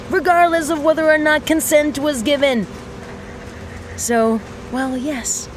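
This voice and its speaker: A woman playing a sardonic mechanic in a sci-fi audio drama, rambling to a listener with mock-solemn, theatrical pauses. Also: mid-range voice, a little hiss or hum, close to an everyday voice. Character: sardonic, rambling young female mechanic in an underground resistance.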